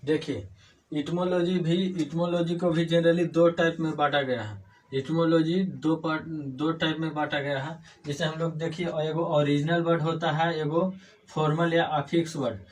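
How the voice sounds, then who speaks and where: A man's voice: a little high, steady tone, measured pace, darkish tone. Man teaching grammar from across the room. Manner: explains step by step, repeats key words as questions. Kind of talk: classroom lecture. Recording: distant mic, faint room noise.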